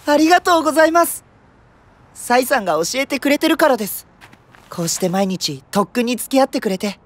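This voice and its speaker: A man's voice: extremely high pitch, very animated, brisk. An actor playing an eager, earnest and polite young male trainee in a voice drama. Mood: eager, grateful. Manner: bright-eyed, grateful, polite. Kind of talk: anime-style voice drama acting.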